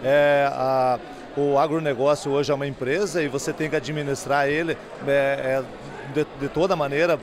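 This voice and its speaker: A man's voice: medium pitch, steady tone, moderate pace. A man in his fifties with a Brazilian accent, hesitant as he answers a news interview. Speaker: agribusiness leader interviewed. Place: indoor event hall. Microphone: handheld reporter microphone. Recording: crowd murmur in event hall.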